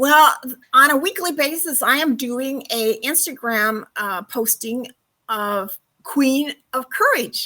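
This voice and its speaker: A woman projects a raised, high-pitched voice with a bright, sharp tone. She speaks very slowly, her intonation lively. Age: 70s. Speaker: retirement coach. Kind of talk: podcast interview.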